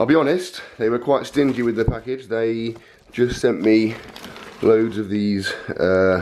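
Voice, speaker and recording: Someone with a British accent talks at a fairly slow pace amid noticeable background noise. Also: man, medium pitch for a man, ordinary pitch variation. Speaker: fitness vlogger. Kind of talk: casual vlog. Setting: home kitchen. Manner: chatty, hesitant fillers.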